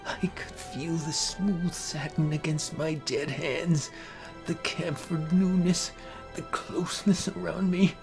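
A man's voice: a little high, fairly even intonation, takes it slowly, gravelly, over music. A man giving a brooding, theatrical first-person narration of a horror comic story. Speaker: narrator and amateur voice actor.

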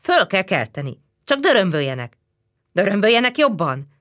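A woman's voice: a little high, big pitch swings, sharp tone, voice pushed up, exaggerated voice. A woman voicing an anxious building concierge who urges and scolds. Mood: urgent. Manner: insistent, urgent.

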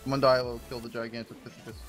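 A man's voice: mid-range voice, little pitch movement, very fast, a bit bright. A young man chatting with his teammate as they play a survival game, goofy and easygoing. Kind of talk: casual multiplayer game chat. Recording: faint background music.

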